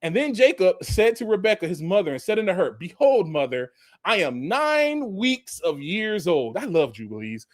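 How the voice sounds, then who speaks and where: A man's voice: sits high, big pitch swings, moderate pace, no echo. A man in his forties teaching from scripture in a casual, conversational preaching style, restarting phrases and adding emphatic, mocking asides. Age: 40s. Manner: conversational preaching with frequent restarts and "you know". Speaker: Bible teacher.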